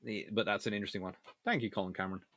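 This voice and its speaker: A man hosting a casual live question-and-answer stream on naval history, chatty and animated, talking in a stop-start way with trailing asides. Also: fairly low pitch, very fast, no echo. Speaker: livestream host answering viewer questions.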